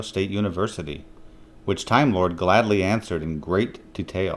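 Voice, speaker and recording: With an ordinary speaking voice, a man delivers his words at a moderate speed, his pitch rising and falling in an ordinary way. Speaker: audiobook narrator. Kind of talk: story narration.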